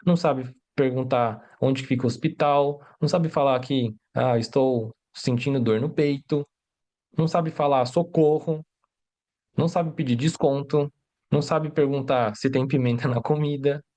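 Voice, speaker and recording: A man's voice: mid-range voice, normal speed, darkish tone. A man who learned Portuguese as a second language, teaching Mandarin in a livestream lesson, explaining step by step and checking in with "né?" and "tá?". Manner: explanatory, rhetorical questions, frequent "né?" and "tá?".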